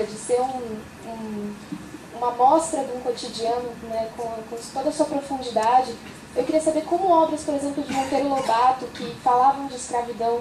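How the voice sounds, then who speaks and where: A woman's voice: high-pitched, dark tone. Nervous, stammering Brazilian woman. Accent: Brazilian Portuguese. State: nervous, trembling. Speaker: audience member asking a question. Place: university auditorium. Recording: echoey hall, distant voice, background noise.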